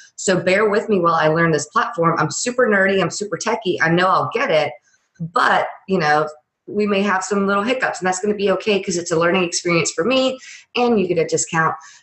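Talking at a very fast pace with very even loudness, a woman speaks with an American accent. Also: medium pitch for a woman, ordinary pitch variation. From US South. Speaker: branding expert and designer. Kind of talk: casual interview.

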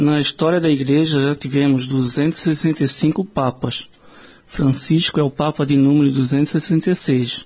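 Speaking at a very slow pace, a man uses a fairly high pitch, fairly even intonation and very even loudness, and sounds somewhat breathy. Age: 30s. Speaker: logistics worker. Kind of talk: reading aloud.

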